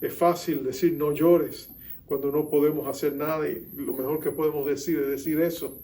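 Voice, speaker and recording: A man preaching a sermon as pastor, with dramatic pauses and hushed quoted lines. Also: fairly high pitch, fairly even intonation, far from the mic.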